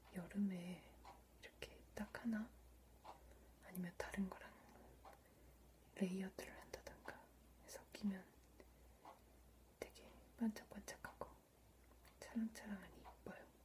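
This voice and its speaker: A woman's fairly slow whispering with big swings in loudness and long, frequent pauses. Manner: soft-spoken.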